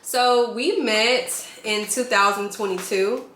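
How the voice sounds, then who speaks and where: A woman's voice: a little high, takes it slowly, fairly bright tone. Giggly young woman vlogging. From Nashville, Tennessee, USA. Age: 20s. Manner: giggly, laughs often, eats while talking. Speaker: YouTube channel host. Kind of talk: casual couple Q&A chat. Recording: echoey room with faint noise.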